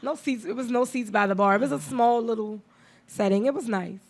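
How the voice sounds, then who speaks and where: A woman in her thirties hosts a talk radio show with a gravelly, fry-edged voice. She talks in a blunt, chatty way and laughs often. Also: on the high side, a little fast. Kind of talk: casual chat.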